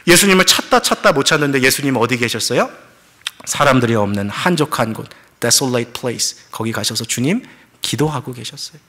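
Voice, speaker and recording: A man's voice: fairly high pitch, sharp tone. A man preaching a sermon as pastor, telling the story with questions to the congregation and English words mixed in. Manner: mixes English words into Korean.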